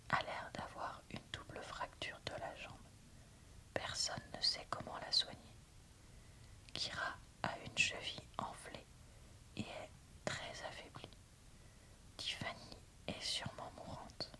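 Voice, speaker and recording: A woman softly whispering as she reads a novel aloud in an unhurried, deliberate ASMR style. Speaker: booktuber reading a novel aloud and reviewing it. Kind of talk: ASMR whispered book reading.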